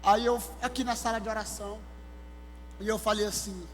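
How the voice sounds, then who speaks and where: A male pastor with a Maranhão accent, preaching a sermon with animated, exclamatory storytelling. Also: high-pitched, moderate pace, a little hiss or hum. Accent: Maranhão, Brazil. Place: church sanctuary. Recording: hall reverb with soft music.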